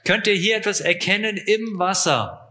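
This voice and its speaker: Bright-voiced male interpreter. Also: high voice. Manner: quick, matter-of-fact rendering with filler sounds. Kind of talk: live consecutive interpreting.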